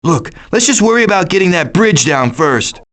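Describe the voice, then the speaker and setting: A man voicing a cocky, scheming, wisecracking raccoon leader in an animated video game, with a glib, theatrical delivery. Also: high-pitched, moderate pace.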